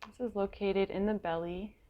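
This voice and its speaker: A woman leading a guided meditation in a gentle, unhurried way, leaving long pauses between short phrases, with a creaky voice. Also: mid-range voice, fairly even intonation, lo-fi sound. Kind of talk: guided meditation, slow and soothing.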